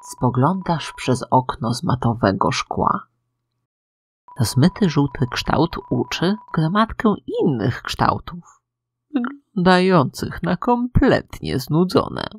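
A woman's voice: low voice, sing-song, slow pace, breathy edge, no room sound, clean studio sound. A woman reading out video game text as a scripted narrator. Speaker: let's play narrator.

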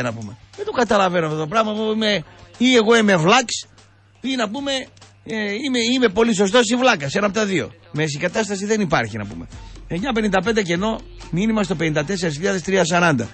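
A man's voice: high-pitched, animated, fairly bright tone, breathy edge, faint music behind. An older man, a radio host delivering an indignant, sarcastic rambling monologue full of fillers.

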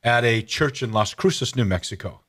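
A middle-aged man hosting a radio interview, telling stories in a lively, casual way with many restarts and fillers. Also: mid-range voice, normal speed. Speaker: host.

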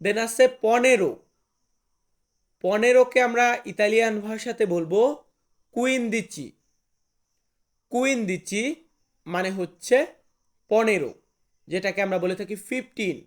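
A man with a high voice teaches a language lesson, drilling each item slowly and repeating it. He stops often to recap what came before. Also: steady tone. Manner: slow, repetitive drilling with frequent recaps.

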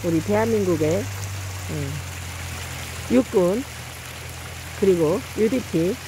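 Female vlog narrator, very lively intonation, unhurried pace, cheering commentary, faintly noisy outdoor recording. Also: fairly low pitch. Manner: excited cheering and exclaiming. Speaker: camera operator and narrator. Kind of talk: live running commentary, casual vlog. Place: outdoors beside a snowy stream. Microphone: behind the handheld camera.

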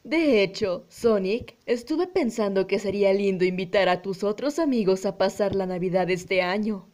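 A woman's voice: medium pitch, moderate pace, close to an everyday voice. Woman as a sweet, firm cartoon hedgehog mom. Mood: cheerful, hospitable. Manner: polite, motherly, gently insistent. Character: sweet but firm middle-aged mother hedgehog, cartoon.

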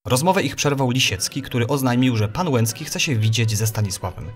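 A man's voice: mid-range voice, fairly quick, faint music behind. A man narrating a detailed chapter summary of a novel, reading the quoted dialogue with some expression.

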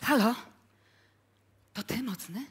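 An actress playing a hard, weary, calculating widow in a radio play, with a husky, breathy voice. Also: female voice, a little high, slow pace, full character voice. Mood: weary, conspiring. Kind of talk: live radio play acting.

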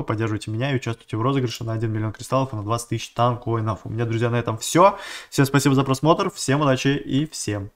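A man with a mid-pitched voice chats through his gaming video as the channel's host. He thinks aloud, stops to correct his own numbers, and sprinkles in slang and diminutives. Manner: uses many diminutives and gamer slang. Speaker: gaming YouTuber. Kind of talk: casual gameplay commentary.

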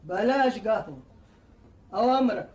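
An actor playing a put-upon merchant, grudgingly compliant and resigned, in a historical film. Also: male voice, high-pitched, animated, moderate pace, darkish tone. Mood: polite.

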